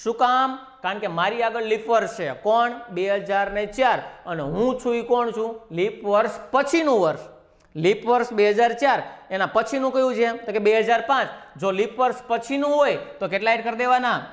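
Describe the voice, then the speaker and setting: A man with a Gujarati accent giving a reasoning lecture, firing rhetorical questions at his students and acting out little dialogues to make each step clear. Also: very high-pitched, moderate pace. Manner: acts out dialogues with the numbers. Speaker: reasoning teacher. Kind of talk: classroom lecture.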